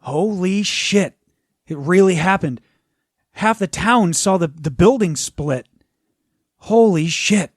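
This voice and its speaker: A man's voice: high-pitched, slow pace, pauses often, no echo, pitched above the performer's own voice. An agitated superhero cop, acted out by a man at a game table, urgent and exasperated. He swears as he talks, and the recording is close and dry. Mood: shocked, urgent. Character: agitated chain-smoking male superhero cop, gruff and urgent.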